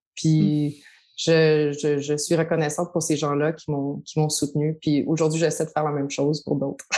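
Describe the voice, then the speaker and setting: A woman speaks with a very deep, low pitch and a dark, mellow tone. Her intonation is monotone and flat at a moderate pace. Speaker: filmmaker. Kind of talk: interview.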